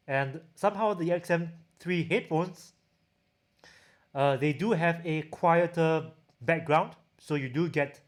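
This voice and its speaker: A man with a Singaporean accent chatting casually as a livestream host, reading out and answering viewer questions. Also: on the high side. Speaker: livestream host, audio gear reviewer.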